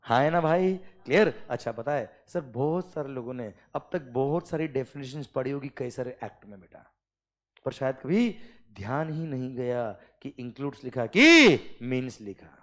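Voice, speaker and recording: A man with an Indian accent teaching a classroom lecture. He dictates slowly word by word, then explains quickly and keeps checking that the students follow. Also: mid-range voice, animated, a bit bright. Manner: checks understanding often, calls students "beta" and "sir".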